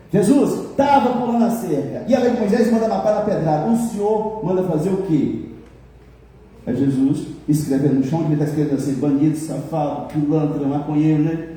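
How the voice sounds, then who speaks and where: A male pastor preaching a lively sermon, joking and keeps asking the congregation for amens. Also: on the high side, a little hiss or hum. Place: large church hall. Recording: echoey hall from far off.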